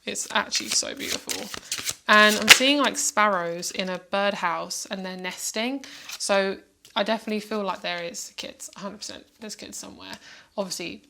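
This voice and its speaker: A woman's voice: mid-range voice, moderate pace, creaky, background noise. Chatty, reassuring woman reading tarot. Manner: chatty and meandering, speaks directly to the listener. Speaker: tarot card reader. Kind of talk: casual intuitive tarot reading to viewers.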